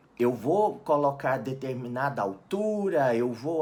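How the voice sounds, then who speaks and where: Audible room echo surrounds a voice with lively intonation moving at a very slow pace. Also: man. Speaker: university professor. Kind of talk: lecture. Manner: halting.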